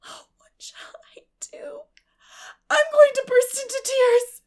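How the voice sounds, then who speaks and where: Storybook orphan girl, eleven: high-pitched, breathy, theatrical, eager and emotional. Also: steady tone, takes it slowly. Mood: anguished wailing.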